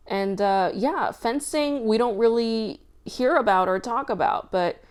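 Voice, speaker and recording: A woman hosting a podcast, talking loudly and casually with lots of fillers. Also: lowish voice. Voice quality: loud voice. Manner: chatty, filler-heavy with frequent "like" and swearing. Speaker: podcast host. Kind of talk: casual commentary monologue.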